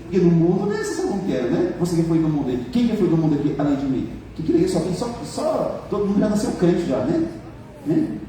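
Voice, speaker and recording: A man's voice: fairly high pitch, huge pitch swings, fast, warm tone, slight background noise. A Brazilian man preaching a sermon as pastor, colloquial and joking, building to emphatic exhortation. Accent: Brazilian Portuguese. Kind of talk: sermon with personal testimony. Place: church hall. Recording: echoey church hall from far off.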